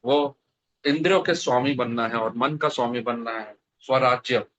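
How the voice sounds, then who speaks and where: A man's voice: mid-range voice, normal speed, a bit bright, no room sound. A man giving a devotional scripture sermon over an online video call, telling stories and asking his listeners questions. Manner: storytelling, asks the audience questions. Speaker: scripture speaker. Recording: dry, slightly dull online call audio.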